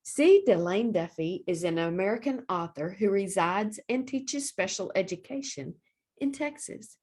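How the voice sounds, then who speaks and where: Lady reading a picture book to little kids, medium pitch, careful expressive phrasing. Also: unhurried, slightly rough. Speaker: children's librarian reading storybooks aloud. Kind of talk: storybook read-aloud for young children.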